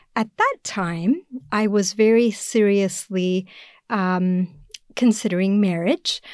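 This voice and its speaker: A woman with an American accent has a plain, everyday voice at a medium pitch. Her intonation is fairly even, and the background is quiet. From Mexico City, then California border and Texas. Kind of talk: casual chat.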